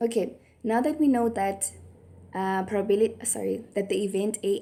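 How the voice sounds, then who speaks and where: A woman speaks at a moderate pace with a medium pitch. Her tone is dark and mellow, and her intonation fairly even. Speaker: maths tutor. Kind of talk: tutorial. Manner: casual, explanatory.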